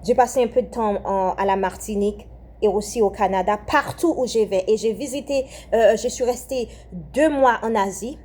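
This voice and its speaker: A woman's voice: mid-range voice, moderate pace, a little mellow. A young Haitian-born woman with a French accent giving a fervent spoken prayer message, repeating phrases and often restarting her sentences. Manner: fervent, repetitive, with hesitations and restarts.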